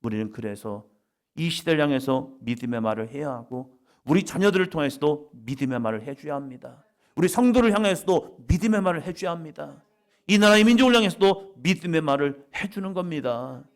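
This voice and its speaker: A middle-aged man preaching a sermon at a church worship service, alternating loud emphatic declarations with hushed whispers and acting out quoted prayers. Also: fairly high pitch, expressive, brisk. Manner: acts out quoted prayers and voices of others. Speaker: pastor.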